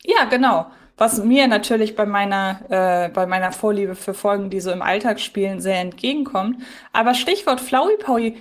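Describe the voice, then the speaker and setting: A woman with a medium-pitched voice talks as a podcast co-host. She discusses things casually, in long sentences that circle and rephrase as she works toward her point. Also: animated, moderate pace. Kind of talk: casual podcast discussion of an audio drama episode.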